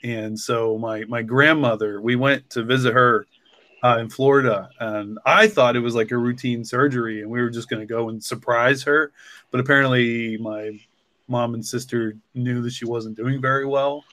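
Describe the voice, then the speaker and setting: A man's voice: medium pitch, steady tone, normal speed, a bit bright, no echo. A man talking casually and reflectively, rambling with lots of "like" and "you know". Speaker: podcast co-creator and story author.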